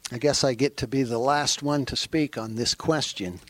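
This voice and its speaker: A man's voice: mid-range voice, fairly even intonation, moderate pace, fairly bright tone. A middle-aged man with a Maine accent, speaking earnestly and reflectively as a tribal natural resources director on a panel. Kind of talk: panel remarks.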